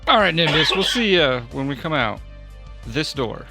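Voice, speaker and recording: A man's voice: on the high side, big pitch swings, normal speed, music in the background. A man playing a tabletop game, improvising dialogue in an informal, slightly hesitant way.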